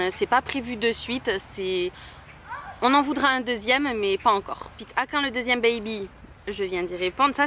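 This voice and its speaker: Young woman from Toulouse, high-pitched. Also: bright, forceful tone, a little hiss or hum. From Toulouse, France. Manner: hesitant, many fillers. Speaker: YouTuber. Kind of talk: casual Q&A vlog. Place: outdoors.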